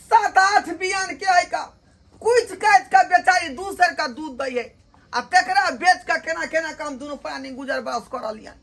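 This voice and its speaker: A worn-out older village in-law in a comedy skit, played by a woman. The voice is high and rustic, pleading and grumbling at length. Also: a bit bright, full character voice.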